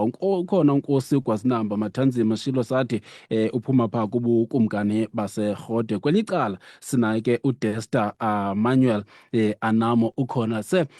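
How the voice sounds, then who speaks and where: A man's voice: medium pitch, mellow, dry recording, studio quality. A South African man with a Xhosa accent, hosting a radio talk show. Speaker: radio host.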